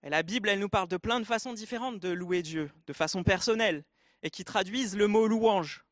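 A man's voice: sits high, brisk, fairly bright tone, dry recording, clean studio sound. A man with an Arabic accent preaching a sermon, speaking earnestly and directly to the congregation.

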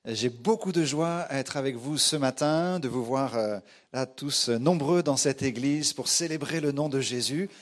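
Speaking at a normal pace in a medium-pitched voice, a man from France gives a sermon to a congregation as a guest pastor and leader of a church movement. He preaches in a hesitant, conversational style, frequently speaking straight to his listeners.

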